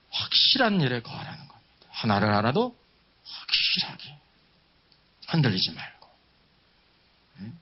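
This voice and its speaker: A man preaching at a Bible seminar, teaching emphatically with rhetorical questions and repeated key phrases. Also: medium pitch. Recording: dull, muffled lo-fi sound.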